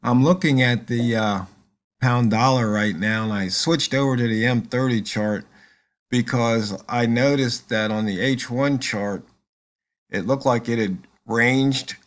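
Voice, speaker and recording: A man's voice: mid-range voice, unhurried. A man in casual conversation on a call, thinking aloud with frequent "um" and "uh" and reaching for analogies. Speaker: trader.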